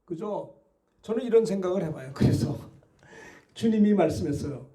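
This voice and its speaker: Man, pastor, very high pitch; emphatic sermon delivery pressing the congregation with questions. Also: expressive, moderate pace, warm tone. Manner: emphatic preaching with rhetorical questions.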